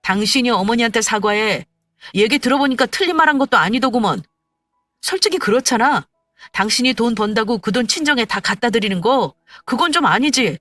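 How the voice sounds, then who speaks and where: A woman's voice: fairly high pitch, expressive, fairly quick, a bit bright, no room sound. Woman putting on a smug condescending husband, mocking tone, faint music under it. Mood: dismissive. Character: dismissive, arrogant husband.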